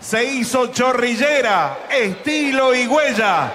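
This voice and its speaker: Over noticeable background noise and audible room echo, a man uses a raised, projected voice at an extremely high pitch, talking very slowly with fairly even intonation. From Argentina. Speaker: festival announcer. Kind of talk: scripted poetic narration.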